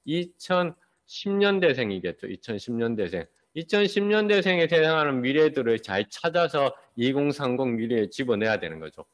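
A man's voice: mid-range voice, very animated, normal speed, hardly any pauses. A man in his fifties giving an online lecture over a webcam, explaining step by step and answering his own rhetorical questions. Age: 50s. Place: small room, indoors. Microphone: webcam on a video call.

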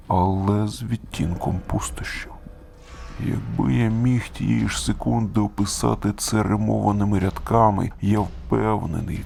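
Deep-ish raspy guy narrating a creepy story, hushed and whispery, faint music under it. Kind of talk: scripted first-person narration.

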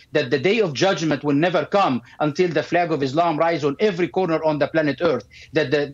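A middle-aged man with an Arabic accent, a guest speaking earnestly over a video call from a home room, often repeating words as he starts phrases. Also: a little high. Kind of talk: earnest commentary. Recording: muffled video call audio.

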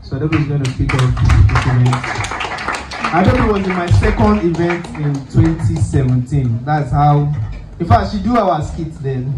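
A man hosting a live event, introducing the next performer on a handheld mic in an informal, lively way. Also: a little high, measured pace. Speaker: event host. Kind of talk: MC introducing acts. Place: small lounge venue, indoors. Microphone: handheld mic, filmed by phone from the audience. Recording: roomy, distant, loud music behind.

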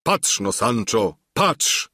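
A man's voice: medium pitch, animated, measured pace, a bit bright, no echo, clean studio sound. A man voicing a deluded older knight who declaims in a commanding, solemn way in an audiobook. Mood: exclaiming.

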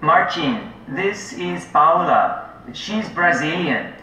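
A man speaking a polite adult man's lines in a scripted textbook dialogue, slow and deliberate. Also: fairly high pitch, sing-song, sharp tone, a little hiss or hum, full character voice. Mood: plain. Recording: very echoey audio from far off.

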